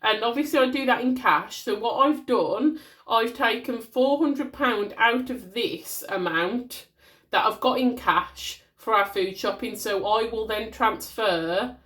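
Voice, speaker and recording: A chatty woman in her thirties with a broad Black Country accent talks through her monthly budget at a desk at home, recorded on a phone. Her voice sits a little high and sounds slightly nasal and stuffed up from a cold. She rambles in a friendly way, with plenty of ums and restarts. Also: a little slow, fairly bright tone. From West Midlands, England. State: congested from a cold. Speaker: budgeting vlogger. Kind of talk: casual chat to camera while handling a planner.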